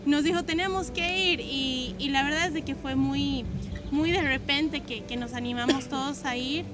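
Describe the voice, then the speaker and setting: A woman's voice: high voice, moderate pace. A twenty-year-old woman from Bolivia, giving a hesitant testimony full of restarts, sitting outdoors on a park lawn and filmed by a distant camera. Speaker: camp participant. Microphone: far camera. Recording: loud music underneath.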